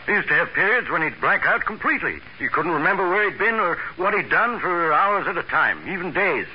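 A man's voice: high voice, sing-song, brisk, slightly rough, exaggerated voice. Grumpy indignant father, muffled radio. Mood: explaining. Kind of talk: 1940s radio crime drama acting. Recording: muffled, hissy old radio recording.

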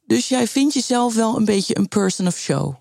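A woman hosting a late-night radio podcast, her voice hoarse and lowered from a cold, chatting playfully with a guest. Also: animated, normal speed, a little mellow, dry recording, clean studio sound. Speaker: host.

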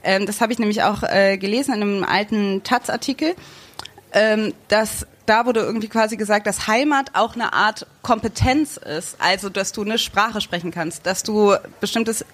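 A woman's voice: medium pitch, normal speed. Hesitant young woman, thinking aloud. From Germany, raised bilingual. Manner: hesitant, searching for words with many fillers. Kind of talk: casual chat.

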